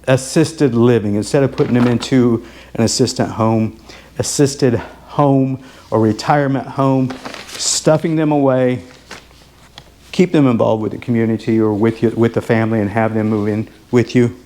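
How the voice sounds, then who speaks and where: Male voice, medium pitch, real estate advisor, informal home tour vlog, salesy, speaking straight to the viewer. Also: fairly even intonation, normal speed, dark tone, a little hiss or hum. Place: inside a model home.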